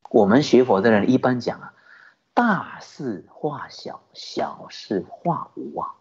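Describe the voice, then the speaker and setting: Buddhist teacher, male, animated sermon delivery, breathy husky tone, muffled low-fi recording. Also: takes it slowly. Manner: lively storytelling, rhetorical questions, chuckling. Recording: dull lo-fi recording.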